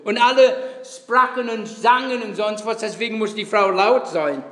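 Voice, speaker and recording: A man's voice: high voice, moderate pace, a bit bright. A man preaching a sermon in a church, emphatic and repeating his key phrases. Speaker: pastor. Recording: echoey church hall.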